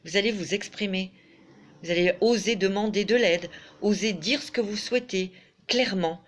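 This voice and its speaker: A woman's voice: medium pitch, moderate pace. Chatty French-speaking woman reading cards. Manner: chatty, fond, peppered with "hein", reads card texts aloud. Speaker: tarot and oracle card reader. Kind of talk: casual spoken card reading.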